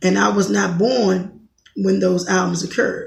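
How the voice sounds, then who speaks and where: With an American accent, a woman speaks at a medium pitch with vocal fry. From Washington DC. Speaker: YouTuber and social media commentator. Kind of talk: casual monologue vlog. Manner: animated.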